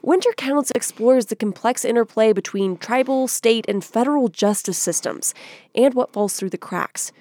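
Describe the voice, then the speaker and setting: A woman with a fairly high voice hosts a public radio show. She speaks clearly and composedly. The studio sound is dry and close. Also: normal speed, dark tone, no echo.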